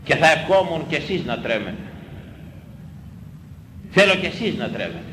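A priest preaches with urgent, pleading emphasis, his voice leaping up and down in pitch as he repeats key phrases. He moves from loud outcries to near-hushed words. The sermon is heard in an echoey room with a faint hum of ambience behind it. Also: sing-song. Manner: swings between loud exclamations and hushed lines.

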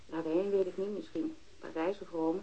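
A dull, lo-fi radio drama recording of a frank woman witness. Her voice is on the low side and husky. She recounts things matter-of-factly, with small digressions and hesitations. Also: fairly even intonation, a little fast, warm tone. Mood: matter-of-fact, recounting. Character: frank, matter-of-fact woman, drug user, testifying to police. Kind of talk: Dutch radio drama dialogue.

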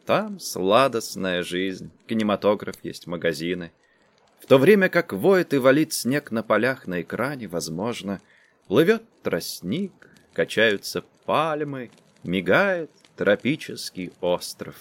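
Expressive male audiobook narrator. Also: fairly low pitch, measured pace, dry recording. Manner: expressive, dramatic storytelling.

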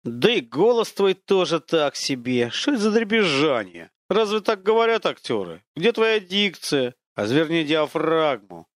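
A man voicing an invisible, boastful male war god who mocks and lectures in a pompous, drawn-out, declamatory way. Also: a little high, very animated, dry recording, clean studio sound. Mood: mocking.

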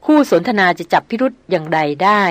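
A woman narrating a novel as an audiobook, reading in a steady, measured way. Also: lowish voice, dry recording.

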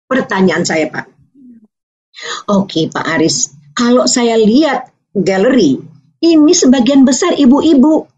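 This Acehnese woman's voice is on the high side, and she talks slowly, pausing often, as she shares a personal story in an online parenting seminar. She brings the quoted voices to life with animation and sometimes turns tearful. The recording has the muffled, lo-fi quality of an online meeting.

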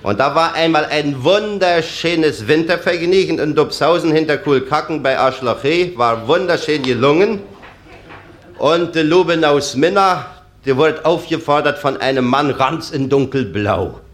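A man's voice: a little high, unhurried. Man telling jokes in an East Prussian accent. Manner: tells jokes in quoted dialogue, acting out the characters. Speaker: comedian. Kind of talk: stand-up joke telling. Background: audience laughter.

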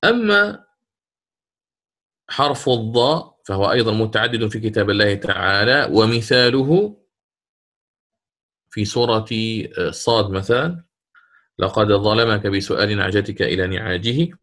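A man's voice: on the low side, lively intonation, normal speed, long pauses, fairly bright tone. Man teaching Quran recitation rules. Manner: questions his students and explains step by step. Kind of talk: classroom lesson on recitation rules.

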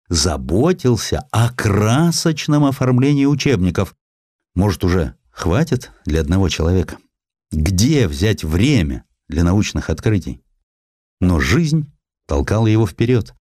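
A man with a low voice reads scripted historical prose as a narrator. His intonation moves widely and expressively, with a measured dramatic delivery. The recording is close and very dry. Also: a little mellow, dry recording. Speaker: audiobook narrator.

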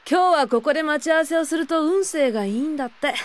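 A high-voiced, easygoing schoolboy. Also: female voice, expressive, fast talker. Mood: wry. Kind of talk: Japanese audio drama acting.

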